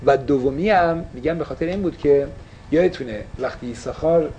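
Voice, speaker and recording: A man's voice: fairly high pitch, dark tone, highs cut off, slight background noise. A man teaching a casual religious class, asking his listeners questions and slipping English phrases into his talk.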